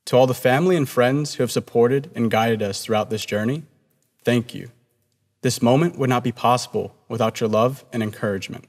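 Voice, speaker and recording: A man's voice: medium pitch, fairly quick. Earnest young man giving commencement speech. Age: young adult. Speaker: student body president. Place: stage with podium and red curtains. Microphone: podium mic. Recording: long hall reverb.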